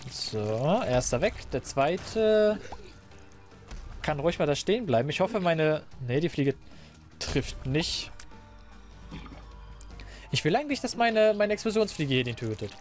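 A man doing casual, rambling commentary while playing a game, a little hoarse and stuffy, into a desk microphone. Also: on the high side, sing-song, unhurried, pauses often, faint music behind. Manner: chatty, rambling, self-mocking. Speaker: let's player.

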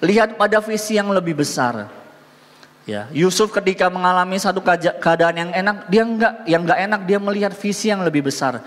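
Male preacher, slightly higher voice, exhorting congregation, long church reverb. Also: fairly quick, fairly bright tone. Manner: exhorting the congregation with call-and-response. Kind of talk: sermon.

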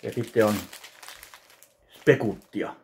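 A man in his thirties from Finland, casually narrating an unboxing of a fan package in his home kitchen, speaking slowly and haltingly to a webcam. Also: fairly low pitch, steady tone, creaky, a little hiss or hum. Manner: slow, halting, listing items one by one. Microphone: webcam at desk distance.

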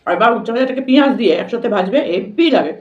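A woman's voice: fairly high pitch, lively intonation, racing, darkish tone. A woman chatting informally to her viewers as she eats, like a casual food vlog. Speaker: vlogger. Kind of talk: casual chat to viewers while eating. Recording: echoey room, dull lo-fi sound.

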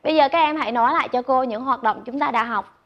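A woman teaching English online, encouraging, repeating words slowly for learners, recorded close to the mic. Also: high-pitched, fairly bright tone, dull audio. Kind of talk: online classroom lesson.

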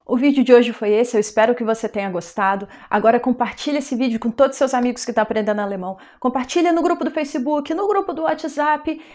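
A young woman with a Brazilian Portuguese accent leads a German class online, her fairly high voice having a darkish tone. She explains patiently one step at a time and slows down whenever she reaches example words.

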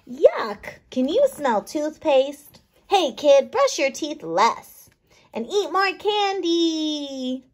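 A woman's voice: high-pitched, very animated, extremely slow, a little mellow, pitched above the performer's own voice, full character voice. A woman voicing mischievous, bossy little tooth microbes from a children's picture book. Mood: disgusted, bossy. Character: mischievous tooth microbes busily digging cavities.

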